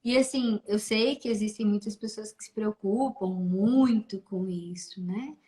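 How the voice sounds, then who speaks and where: A Brazilian woman therapist with a voice of middling pitch. She speaks directly and encouragingly on a video call and puts pointed questions to her guest. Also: a little slow, dark tone. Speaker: host, therapist. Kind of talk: therapeutic conversation.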